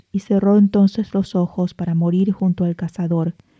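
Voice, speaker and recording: A woman's dark, mellow tone at medium pitch and fairly slow pace, dry and close with no echo. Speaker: storyteller. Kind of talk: reading aloud.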